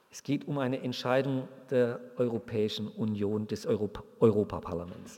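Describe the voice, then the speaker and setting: Big swings in loudness mark this man's dark, mellow tone, which has ordinary pitch variation. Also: medium pitch for a man, fairly slow pace. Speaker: pastor. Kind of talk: sermon. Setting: church.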